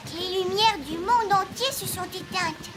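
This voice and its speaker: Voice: very high voice, measured pace. A performer voicing a curious, kind four-year-old boy in a French children's cartoon, eager and childlike, with music behind. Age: young child character. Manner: eager, childlike, simply phrased.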